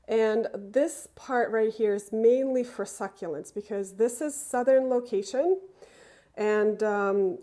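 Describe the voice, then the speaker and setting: Woman, slow relaxed delivery, casual vlog chat, enthusiastic, walking an indoor plant room. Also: medium pitch. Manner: unhurried, enthusiastic, with small laughs and fillers. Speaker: plant vlogger.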